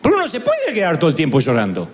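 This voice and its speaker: A male pastor delivers a sermon as animated, humorous storytelling. His voice sits high for a man and swings widely in pitch. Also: very fast.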